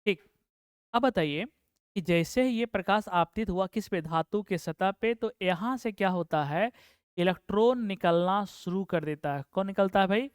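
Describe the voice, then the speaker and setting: A man teaching an exam-prep physics lesson. He asks the class questions, answers them himself, and repeats key terms slowly for dictation. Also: high-pitched, clear, resonant tone, dry recording, studio quality.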